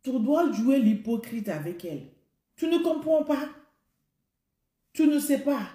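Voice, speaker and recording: A woman's voice: high voice, big pitch swings, unhurried, dark tone. A woman giving a humorous advice monologue to the camera, emphatic and repeating her points as she speaks directly to the listener. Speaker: vlogger. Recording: roomy echo.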